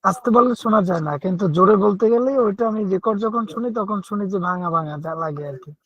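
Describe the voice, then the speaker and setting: High, fast man with a cracking voice. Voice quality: voice cracks when loud. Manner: polite, hesitant questions. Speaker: school teacher. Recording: dull lo-fi call audio.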